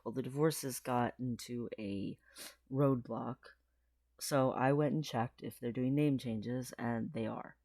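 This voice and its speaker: A man's voice: medium pitch, steady tone, a little slow, darkish tone, no echo. A trans man rambling through a casual video diary, with lots of fillers and frequent laughs, his voice sometimes cracking. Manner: chatty and rambling, many fillers, laughs often. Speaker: vlogger.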